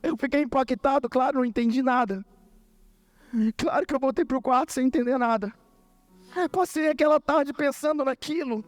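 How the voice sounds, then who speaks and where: A man's voice: very high voice, moderate pace, no room sound, soft background music. A male preacher tells a testimony in a sermon, emotional and acting out each voice. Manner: emotional storyteller, acts out every voice.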